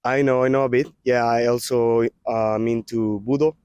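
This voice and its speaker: A man answering interview questions casually, often pausing with fillers. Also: medium pitch, fairly even intonation, darkish tone, clean tone, no room sound. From Colombia. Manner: hesitant, many fillers.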